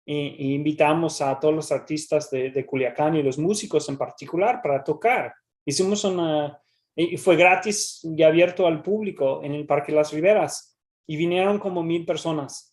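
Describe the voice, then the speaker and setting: Presenting as a researcher in an academic talk with Q&A, this man from the United States speaks Spanish carefully and haltingly, though English is his native tongue. He keeps restarting and repeating words, his voice a little high and darkish in tone.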